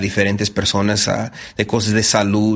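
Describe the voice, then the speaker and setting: Monotone, flat intonation at a fairly slow pace. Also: man. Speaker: podcaster and parent facilitator. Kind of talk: interview. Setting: empty classroom. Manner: halting, many fillers.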